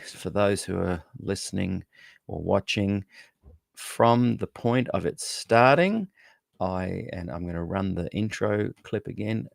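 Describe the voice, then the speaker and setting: A man's voice: sits low, gravelly, dry recording, studio quality. A man hosting a podcast, giving a casual, chatty spoken introduction with frequent fillers. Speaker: podcast host.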